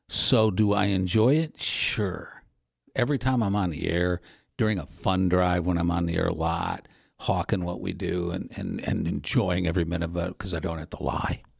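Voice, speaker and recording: At a moderate pace, a man with an American accent speaks in a very deep, low pitch with ordinary pitch variation. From Ohio (Cincinnati). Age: 60s. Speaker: radio station general manager. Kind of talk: casual interview. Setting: radio studio.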